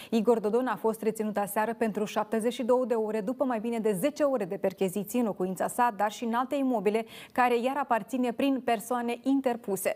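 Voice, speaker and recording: A woman's fairly high-pitched voice, dark and mellow in tone, with fairly even intonation. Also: fairly quick pace. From Moldova. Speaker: news anchor. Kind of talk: news reading. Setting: studio. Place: studio. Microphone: lapel.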